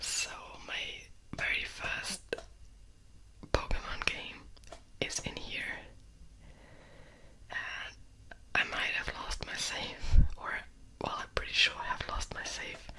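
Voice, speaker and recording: A woman's very slow whispering with long, frequent pauses, big swings in loudness and noticeable background noise. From Germany. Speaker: ASMR creator. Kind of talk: casual talk to camera, ASMR game collection show-and-tell. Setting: binaural microphone recording. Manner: whispered, soft-spoken.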